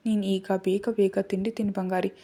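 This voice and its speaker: A woman reading the lines of a young man, an elder brother, who speaks softly and fondly to his younger sister. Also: medium pitch, flat delivery, a little fast, lightly acted. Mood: tender.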